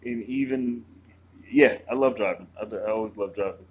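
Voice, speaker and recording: A man's voice: fairly low pitch, moderate pace, darkish tone, muffled recording, a little hiss or hum. A man from Philadelphia hosting a comedy podcast, who teases his guests in casual chat and repeats his words. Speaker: podcast host.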